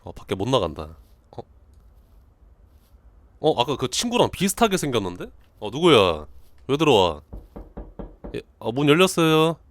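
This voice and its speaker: Lively Korean game streamer, man. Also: medium pitch, normal speed, pauses often. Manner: animated, jokey, shouts in panic. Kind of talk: casual horror-game let's play.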